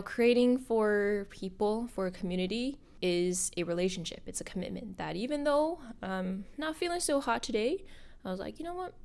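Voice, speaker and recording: A young woman hosting her own podcast, talking casually and upbeat to viewers, her voice husky because she is a little sick. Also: on the high side. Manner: bubbly and upbeat, addressing viewers directly. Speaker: podcast host and content creator. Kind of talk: casual solo podcast talk.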